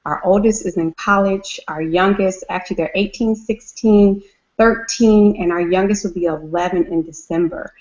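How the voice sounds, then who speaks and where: A woman's voice: mid-range voice, moderate pace, darkish tone. A woman in her thirties on a video call, talking upbeat and with repeated emphasis. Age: 30s. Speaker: guest mother. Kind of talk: casual call chat. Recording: lo-fi call audio.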